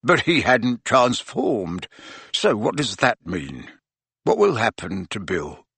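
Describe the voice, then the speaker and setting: A man's voice: on the low side, sing-song, takes it slowly, creaky, fairly bright tone, slightly rough, no echo, full character voice. A man voicing a worried father who asks questions in a distracted, hesitant way. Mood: anxious, distracted.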